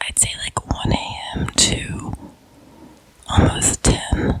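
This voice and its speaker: Someone whispers over noticeable background noise. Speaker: ASMR creator. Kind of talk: whispered ASMR ramble. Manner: whispering.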